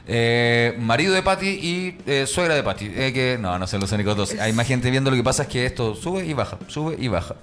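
A man's voice: mid-range voice, animated, a little fast, few pauses, a bit bright, a little hiss or hum. A man hosting a casual comedy radio show, chatting in a joking, teasing, rambling way. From Mexico. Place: online radio studio.

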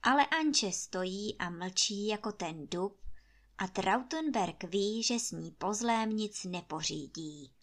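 A woman narrating a fairy tale for children in a lively, folksy storytelling manner. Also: mid-range voice.

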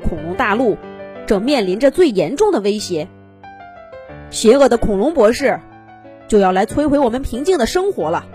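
Woman as an emphatic, high-pitched triceratops captain. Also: very animated, moderate pace, pauses often, warm tone, soft background music. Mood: rousing, urgent. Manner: formal, rousing, emphatic. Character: earnest, commanding triceratops team captain writing an urgent plea.

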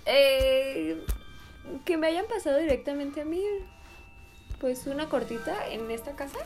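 A woman with a Mexican accent telling a ghost story as a podcast co-host, animated and laughing often. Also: sits high, a little slow, faint music behind. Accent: Mexican Spanish.

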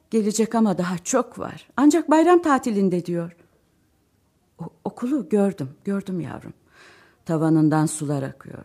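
A woman's voice: mid-range voice, darkish tone. An actress playing an emotional, chatty middle-aged mother in a radio drama who swings between sighs and outbursts. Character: fretful, warm-hearted middle-aged mother.

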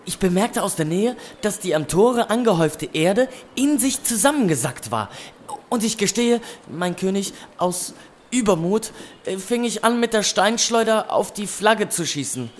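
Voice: medium pitch, animated, moderate pace, slight background noise, lightly acted. Casting: actor for a young medieval army lad, humble and eager, formal deferential storytelling, historical audio drama. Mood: sheepish, eager. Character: humble, eager medieval army servant boy reporting to his king.

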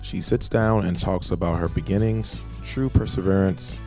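A man's voice: sits low, steady tone, moderate pace, darkish tone, faint music behind. A man hosting an interview podcast with laid-back, upbeat patter. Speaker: podcast host.

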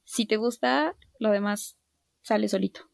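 Creaky-voiced woman musing. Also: mid-range voice, unhurried, no room sound, studio quality. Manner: thoughtful, hesitant restarts. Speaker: podcast guest. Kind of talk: casual chat.

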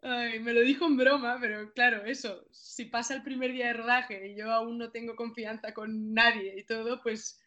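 A young woman from Catalonia answers interview questions as an actress guest. She tells her story in a lively way and acts out her own thoughts as she goes. Her voice sits a little high. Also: moderate pace, hardly any pauses. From Catalonia, Spain.

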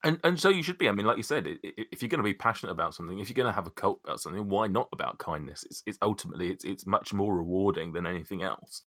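Quick stammering male podcast host. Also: low voice, lively intonation, a bit bright. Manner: stammering restarts, agreeable. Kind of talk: casual chat.

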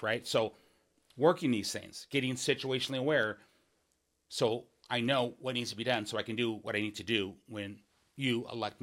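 A podcast-hosting political candidate from Washington State, this man has a mid-range, fairly bright voice. He talks through his policies in a monologue, speaking earnestly and with emphasis, often restarting phrases and asking "right?"

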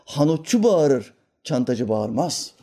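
A man preaching, his voice warm and mellow. He speaks calmly and deliberately, pausing to act out the people in his stories. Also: mid-range voice, slightly rough. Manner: calm and measured, voices characters in anecdotes. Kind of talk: sermon with storytelling.

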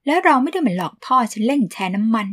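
Woman putting on a tough mid-40s auntie, bossy and blunt, kinda husky. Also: fairly high pitch, expressive, quick pace. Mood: gruff. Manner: gruff, scolding, tough-talking. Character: blunt 45-year-old single woman shopkeeper.

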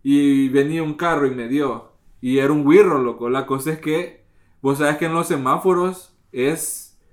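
A young man, a podcast host telling relaxed, slangy stories in casual chat. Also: on the high side, moderate pace.

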